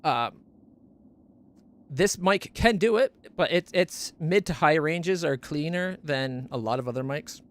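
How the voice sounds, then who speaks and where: A man whose voice runs fairly high for a guy, and who admits it isn't naturally deep, talks about his gear on a game stream from home, close to a studio condenser mic. He's animated and a little slow, rambling, circling back to correct himself, and tripping over names.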